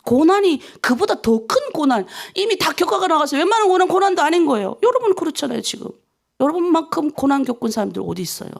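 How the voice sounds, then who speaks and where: A middle-aged woman pastor leads a dawn prayer sermon in a high voice with a gravelly texture. She tells personal stories with feeling and slips into heartfelt prayers addressed to God. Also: very animated, fast talker. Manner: emotional storytelling, acts out prayers to God.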